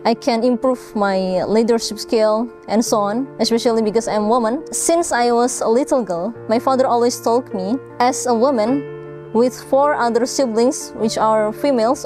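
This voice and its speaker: A woman's voice: fairly high pitch, normal speed, darkish tone, soft background music. Earnest young woman from Indonesia. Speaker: scholarship recipient. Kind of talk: filmed testimonial. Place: studio set with curtain backdrop.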